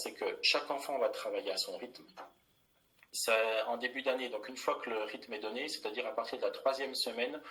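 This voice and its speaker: Middle-aged teacher guy walking through his classroom method, lowish voice, lots of ums and restarts. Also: a bit bright, poor audio. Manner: plain, methodical, with many fillers and restarts. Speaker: primary school teacher.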